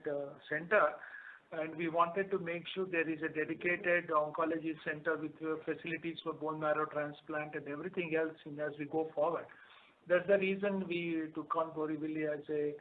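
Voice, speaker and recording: A man with an Indian accent answering questions as a company executive on a conference call, explaining haltingly. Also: fairly high pitch. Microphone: telephone conference line. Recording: narrowband phone line with background noise.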